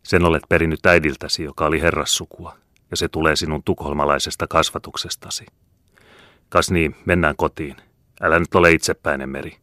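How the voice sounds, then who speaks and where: A man reading the part of a kindly little old foreman in an audiobook who gently coaxes and scolds like a father. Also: extremely low pitch, fairly even intonation, no echo, clean studio sound. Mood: stubborn, soothing.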